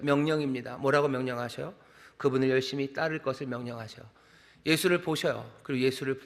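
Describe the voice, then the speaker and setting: In a large church sanctuary, with long hall reverb, a middle-aged senior pastor preaches in a medium-pitched, slightly bright voice. His style is conversational, full of rhythmic repeated phrases and rhetorical questions.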